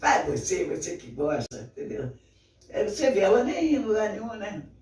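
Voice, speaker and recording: A man's loudness swings widely. Noticeable background noise runs underneath. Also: moderate pace. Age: 90s. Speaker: veteran samba musician. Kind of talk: interview. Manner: halting.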